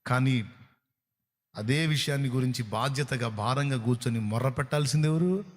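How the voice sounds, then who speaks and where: A pastor with a Telugu accent preaches at medium pitch and normal speed. He drives his point home emphatically, firing off rhetorical questions and acting out what people say.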